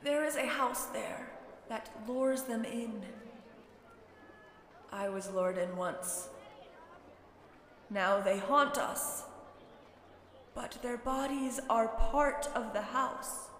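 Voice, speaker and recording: A woman voicing a soft-spoken, weary old man in a story, speaking gravely and haltingly. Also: fairly high pitch, reverberant, big-room sound, a little hiss or hum. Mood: grave, haunted. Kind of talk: storybook narration.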